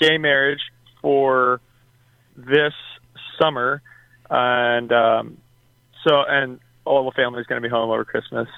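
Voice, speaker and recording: A man talks at a fairly slow pace. His medium-pitched voice keeps a fairly even intonation. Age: 20s. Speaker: caller. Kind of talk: phone-in advice call. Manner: halting.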